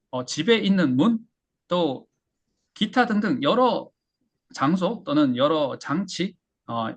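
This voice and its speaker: A man teaching English pronunciation, drilling words slowly and then explaining briskly. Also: fairly high pitch, vocal fry, slightly rough. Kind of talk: language lesson explanation.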